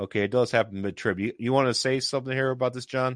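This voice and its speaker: A man talks at a very fast pace, his pitch medium and his intonation fairly even. The sound is dry and close with no echo, over a quiet background. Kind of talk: roundtable discussion.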